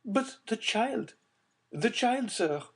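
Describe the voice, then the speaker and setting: A man's voice: animated, unhurried, husky, heavily acted. A man voicing a frantic, anguished baroness. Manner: shrill, sobbing, pleading. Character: anguished aristocratic mother, middle-aged baroness, frantic. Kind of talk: audiobook character voice.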